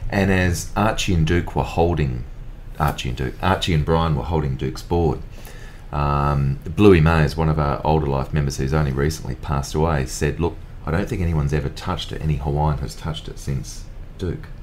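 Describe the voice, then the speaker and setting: The speech comes at a fairly quick pace in an Australian accent with ordinary pitch variation. Noticeable background noise and audible room echo are present. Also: man, very deep, low pitch for a man. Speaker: surfer. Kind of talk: podcast interview. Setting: studio.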